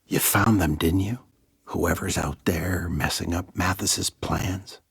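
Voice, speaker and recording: An actor playing an earnest, anxious captive prison warden in a video game, speaking with urgency. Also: male voice, sits low, steady tone, slow, gravelly, husky, no echo, clean studio sound, heavily acted. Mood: hushed conspiring. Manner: hushed, urgent. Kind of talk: video game cutscene acting.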